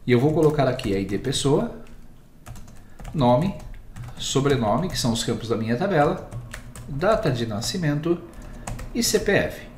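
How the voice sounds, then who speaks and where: A man with a Brazilian Portuguese accent, giving a screen-recorded software lesson and explaining each step in a steady, patient way. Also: mid-range voice, normal speed, long pauses, roomy sound, a little hiss or hum. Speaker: instructor.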